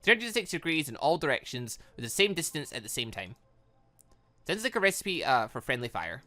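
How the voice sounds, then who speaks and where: Animated man doing let's play commentary. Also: on the high side, fairly quick, soft background music. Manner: excitable, animated, thinking aloud. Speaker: gaming channel host. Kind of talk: let's play commentary, reading game dialogue aloud.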